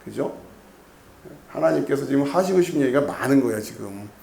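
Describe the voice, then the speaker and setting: A gravelly, slightly mellow male voice of medium pitch delivers an expressive, fairly quick expository sermon in a roomy church sanctuary. Talking conversationally, the pastor poses frequent questions to the congregation and leans on repeated key words.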